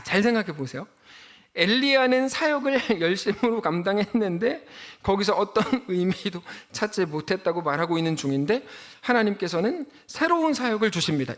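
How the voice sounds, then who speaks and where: Male pastor, high lively pitch, joking conversational sermon delivery.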